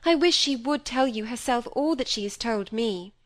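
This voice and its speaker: A woman voicing a gentle, earnest young woman who speaks in a pleading tone. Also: a little high, lively intonation, normal speed, no room sound, pitched above the performer's own voice, close to an everyday voice.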